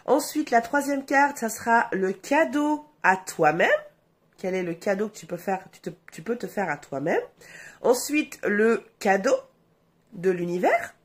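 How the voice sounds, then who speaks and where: A woman's voice: mid-range voice, expressive, breathy edge. A French woman with a cold and a stuffy nose, giving a casual tarot reading, hesitant with many fillers. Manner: slow, hesitant, many fillers, addresses viewers warmly as her "essentiels". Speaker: tarot reader. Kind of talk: casual tarot guidance vlog.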